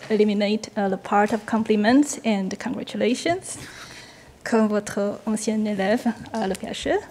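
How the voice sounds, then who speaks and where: A woman's voice: on the high side, a little mellow. A woman whose first language is Chinese, speaking English as a discussant at an academic seminar, hesitant, with frequent fillers and short laughs.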